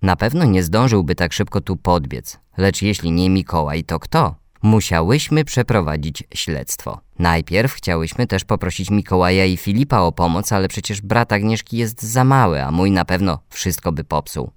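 A man narrating a children's story in a gentle, measured reading voice that speaks to young listeners. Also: sits low, expressive, smooth, dry recording, studio quality.

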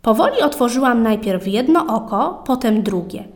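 A woman with a slightly high voice reads a children's story aloud. Her tone is calm and expressive, in the even rhythm of scripted storybook narration. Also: moderate pace.

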